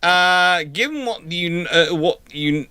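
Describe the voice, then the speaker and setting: A man hosting a live history question-and-answer stream in casual chat, talking in a halting, rambling way with repeated words. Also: high voice, animated, bright, forceful tone, clear, resonant tone. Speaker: host of a live naval history Q&A.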